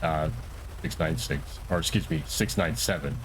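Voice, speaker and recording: A man giving a casual, conversational gaming tutorial in an unhurried, slightly hesitant way. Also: sits low, very animated, gravelly, slight background noise. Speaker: streamer and tutorial host, playing a police officer. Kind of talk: casual tutorial and game roleplay commentary.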